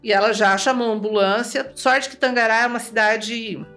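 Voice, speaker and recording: A Brazilian woman as an interview guest, telling a personal story in a lively way, acting out remembered dialogue and often tagging her sentences with "né?". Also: fairly high pitch, moderate pace, soft background music. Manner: lively, acts out remembered dialogue, tags lines with "né?".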